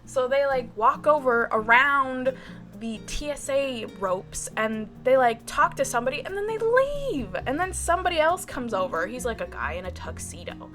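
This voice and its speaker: Over background music, a woman with a high voice recounts her day in a storytime vlog at a moderate pace. She's an artist vlogger who retells things animatedly, says "like" constantly and makes small restarts. She also imitates other people's words as she goes.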